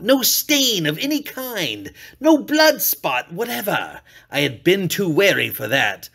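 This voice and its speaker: A man performing a dramatic storybook reading as an unhinged murderer, theatrical, sliding from hushed purring to shrieks. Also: on the high side, creaky, full character voice. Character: unhinged male murderer, gloating and paranoid, classic villain. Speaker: reader.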